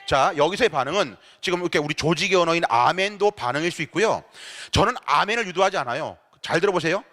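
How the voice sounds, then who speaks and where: A man's voice: on the high side, expressive, fast, sharp tone. A man from Seoul, a pastor leading a church seminar, giving a playful, teasing lecture that keeps addressing the audience directly. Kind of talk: lively humorous seminar lecture. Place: church sanctuary. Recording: long hall reverb in a church.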